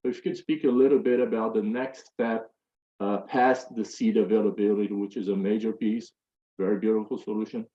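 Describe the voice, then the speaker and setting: A man's voice: lowish voice, steady tone, fairly quick, mellow. Hesitant man asking a long panel question. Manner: hesitant, many fillers and restarts. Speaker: audience member asking a question. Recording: roomy, dull room audio.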